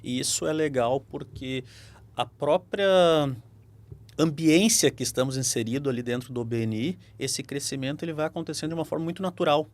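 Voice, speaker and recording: A man with a Brazilian Portuguese accent, a guest lawyer on a podcast, talking in a measured, reflective way. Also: mid-range voice. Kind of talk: conversational interview.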